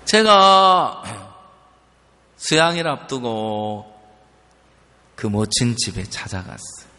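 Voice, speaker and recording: A man preaching a sermon, telling a story and acting out the people in it in lively voices. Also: medium pitch, takes it slowly. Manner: animated storytelling, acting out an elderly mother's stubborn replies. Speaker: pastor. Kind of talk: sermon with acted-out anecdotes. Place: church sanctuary. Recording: long reverb of a church hall.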